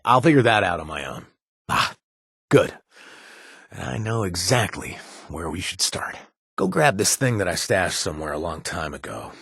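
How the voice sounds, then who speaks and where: An actor playing a jaded, wisecracking male ex-raider bartender in a video game, sarcastic and rambling with nervous fillers, husky voice. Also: medium pitch, fairly bright tone, no echo, studio quality, heavily acted. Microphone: close studio mic.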